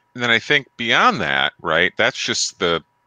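A man with a Midwestern American accent and a bright, sharp tone, at a fairly slow pace. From US Midwest. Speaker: tabletop game designer. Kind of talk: casual interview.

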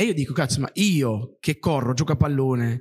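Against a quiet background, a man talks at a fairly quick pace. His voice is somewhat breathy. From Bari, Italy; Italy. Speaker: author, blind social media creator; blind social media creator. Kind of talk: casual, humorous book presentation. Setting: stage book presentation. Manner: ironic, joking. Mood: earnest, slightly indignant. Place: shop. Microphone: handheld.

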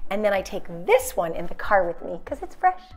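The voice swings very widely in pitch, with light background noise behind it. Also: woman. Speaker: lifestyle vlogger. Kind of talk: casual vlog chat. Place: home room.

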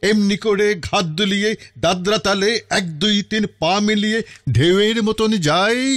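The loudness stays very even throughout. The intonation is fairly even as well. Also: man, high pitch for a man. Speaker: poetry reciter. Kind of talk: poetry reading. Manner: rousing, martial.

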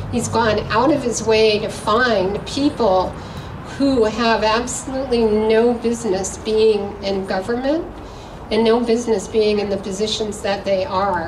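Noticeable background noise sits behind a woman who speaks fairly slowly in a fairly high voice with fairly even intonation. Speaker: conservation director. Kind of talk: rally speech. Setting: outdoors.

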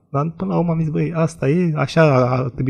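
Against a quiet background, a man talks at a fairly quick pace in a fairly high, somewhat breathy voice with a dark, mellow tone. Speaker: martial arts instructor. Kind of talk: casual chat. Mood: relaxed, candid. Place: studio. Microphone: studio mic.

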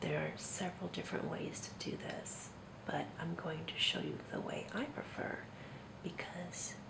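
Whispering, a woman goes at a fairly slow pace. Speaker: knitting instructor. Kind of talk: tutorial. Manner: soft ASMR-style tutorial voice.

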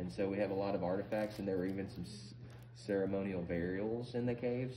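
Over noticeable background noise, a man talks at a fairly quick pace with a fairly low pitch and ordinary pitch variation. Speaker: cave park guide. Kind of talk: tour guide explanation. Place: tunnel cave. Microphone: camera far.

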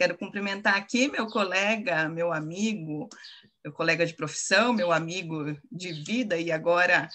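Fairly slow speech from a woman in a bright, sharp tone against a quiet background. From interior of São Paulo state, Brazil. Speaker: lawyer; guest. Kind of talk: webinar talk. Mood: warm, smiling. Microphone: video call.

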